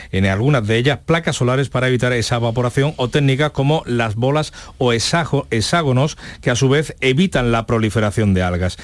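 A man's voice: medium pitch, dry recording. A man with an Andalusian accent reading a radio news report, with a small slip now and then.

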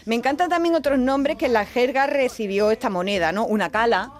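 A woman's voice: on the high side, fairly quick. A woman with an Andalusian accent, chatting on the radio as a language contributor, explaining word origins with frequent laughter. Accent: Andalusian Spanish. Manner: lively explainer, laughs often. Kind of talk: casual radio chat.

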